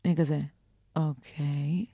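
A woman's voice: low-pitched, level tone, mellow, no echo, studio quality. A young woman telling a dating story in casual chat, acting out the quotes and laughing often.

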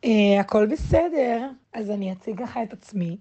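Mellow young woman telling a story. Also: medium pitch, animated. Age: 20s. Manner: unhurried, with frequent hesitant fillers. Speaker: guest storyteller. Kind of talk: casual personal anecdote. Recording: slightly dull lo-fi recording.

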